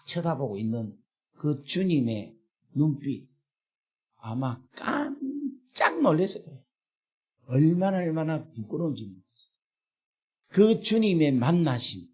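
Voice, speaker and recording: A man with a Gyeongsang accent preaching a revival sermon at a prayer retreat, earthy and colloquial, at times breaking into shouts. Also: fairly high pitch, breathy edge. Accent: Gyeongsang Korean. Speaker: pastor.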